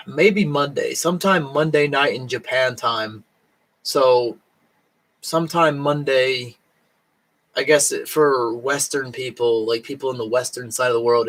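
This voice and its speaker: A man live-streaming from home while drunk, talking loosely and at length. His speech stumbles along with fillers and restarts, and his voice is wearing a little hoarse. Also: mid-range voice, a bit bright, poor audio. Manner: rambling, halting, many fillers and restarts. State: voice going hoarse. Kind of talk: rambling late-night live stream chat. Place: home in Japan.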